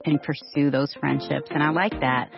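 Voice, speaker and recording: Low-voiced encouraging woman co-host. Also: fairly even intonation, normal speed, vocal fry, muffled recording, over music. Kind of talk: faith-based radio talk.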